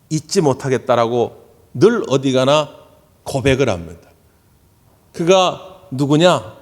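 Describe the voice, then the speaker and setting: A man preaching from the pulpit in a high, lively voice that swoops up and down as he tells stories. His words ring out with the long reverb of a large church hall, picked up through a pulpit microphone. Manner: animated storytelling, acts out quoted voices. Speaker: pastor. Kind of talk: Sunday sermon. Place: church sanctuary.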